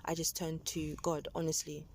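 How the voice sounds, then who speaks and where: In the back of a taxi, a London woman in her 20s tells her life story in plain, matter-of-fact conversation, restarting now and then. Her voice is deep and monotone at a moderate pace, with a child's noise and ambience behind her.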